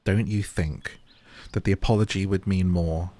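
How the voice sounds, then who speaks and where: Low voiced guy playing a game, teasing and joking around. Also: steady tone, moderate pace, warm tone. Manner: playful, teasing, laughs often. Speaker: gaming host. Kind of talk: casual gameplay commentary.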